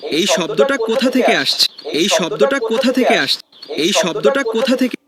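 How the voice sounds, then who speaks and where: A puzzled villager in a cartoon, voiced by a man. The voice sits high, with loud chatter and birdsong all around it. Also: animated, normal speed. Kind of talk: animated cartoon dialogue.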